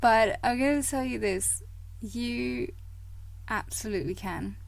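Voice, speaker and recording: A woman hosts a motivational podcast, talking slowly and loosely with plenty of fillers and soft laughs. Her voice is croaky from a cold that is coming on, with a gravelly fry underneath. The sound is close and dry, with no room echo. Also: fairly high pitch. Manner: chatty and rambling, many fillers and laughs. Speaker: podcast host. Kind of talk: casual motivational podcast monologue.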